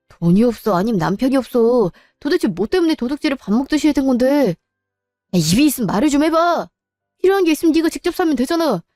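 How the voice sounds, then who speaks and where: Brief: woman as furious young husband; accusing, somewhat high voice, dry studio. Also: darkish tone, no echo, lightly acted. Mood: outraged. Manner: angry, accusing. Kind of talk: audio drama acting.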